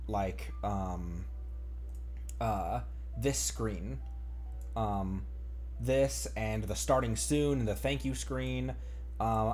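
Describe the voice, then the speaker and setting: A man chatting casually as he hosts a game livestream, rambling and halting as he searches for words. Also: medium pitch, darkish tone. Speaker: streamer host. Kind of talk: casual livestream gaming chat.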